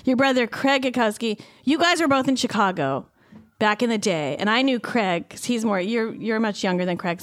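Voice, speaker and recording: A woman hosting a podcast in loose, casual conversation. Her voice sits fairly high, and she laughs often while her sentences ramble and restart. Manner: giggly, rambling, self-interrupting. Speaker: podcast co-host. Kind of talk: casual chat.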